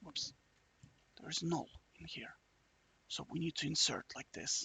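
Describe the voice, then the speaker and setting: The speaker is whispering quietly. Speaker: programming tutor. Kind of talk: tutorial. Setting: at home at night. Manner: quiet, whispered.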